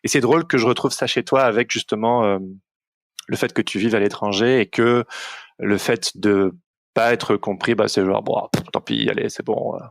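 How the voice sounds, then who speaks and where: A man's voice: on the low side, steady tone, normal speed, gravelly, no echo. A young man, hosting a casual podcast interview, hesitant with many restarts. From Belgium. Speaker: podcast host.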